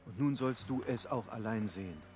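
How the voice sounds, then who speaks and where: An actor playing a tender, courtly admirer in a literary radio drama, speaking softly and intimately. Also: male voice, lowish voice, normal speed, lightly acted. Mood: tender, devoted. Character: tender, courtly admirer wooing a young woman. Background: music.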